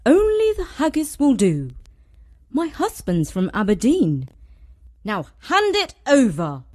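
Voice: sits high, huge pitch swings, slow, a little mellow, pitched above the performer's own voice, full character voice. A storyteller voicing a bossy, pushy middle-aged woman who chairs a school committee, making haughty demands. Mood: imperious.

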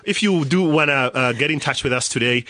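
A man's voice: medium pitch, fairly quick, pushed and bright, no echo. A man, co-hosting a podcast, who teases his co-host and reads out the show's contact number. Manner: teasing, reads out contact details. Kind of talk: casual podcast banter.

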